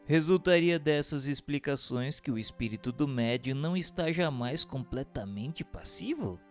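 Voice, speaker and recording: An actor playing an earnest male inquirer in a radio drama, speaking formally and methodically with a gravelly voice. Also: a little high, expressive, normal speed, natural voice. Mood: inquiring. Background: music.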